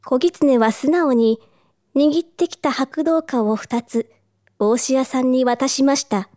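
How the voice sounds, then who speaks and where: High-voiced woman slowly reading a storybook. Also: no echo, clean studio sound. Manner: soft, careful storytelling. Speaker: narrator.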